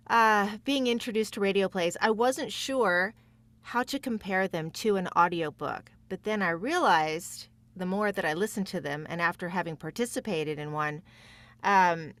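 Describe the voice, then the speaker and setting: Female podcast guest, mid-pitched, chatty and effusive, recorded close and dry. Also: fairly bright tone, no echo. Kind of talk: casual chat.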